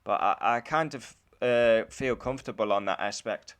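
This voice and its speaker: A man's voice: on the low side, moderate pace, a bit bright, smooth. British man talking casually in a vlog. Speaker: vlogger, learner driver.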